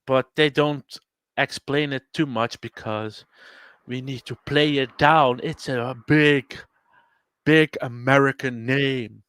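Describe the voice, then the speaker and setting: A man from Belgium, a Dutch speaker, chatting casually and haltingly, often repeating words. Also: mid-range voice, steady tone, fairly bright tone, smooth, no room sound. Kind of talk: casual podcast chat.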